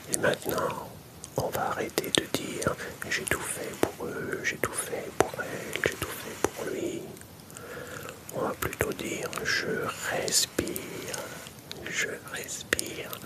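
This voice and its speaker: Whispering from a man, very slow with long, frequent pauses, over noticeable background noise. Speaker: reiki practitioner. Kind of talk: ASMR reiki relaxation guidance. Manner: whispered.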